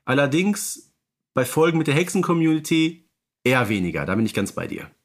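A man speaks in a medium-pitched voice. He co-hosts a podcast, explaining his observations in an analytical, conversational style. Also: very animated, a little fast. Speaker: podcast co-host.

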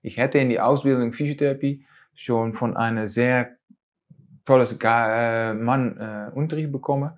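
A man in his forties from the Netherlands speaking German with a Dutch accent, pausing often with fillers and small grammar slips as an interview guest. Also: mid-range voice, steady tone. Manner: hesitant with many fillers and non-native grammar slips. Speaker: osteopath and lecturer. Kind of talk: conversational interview.

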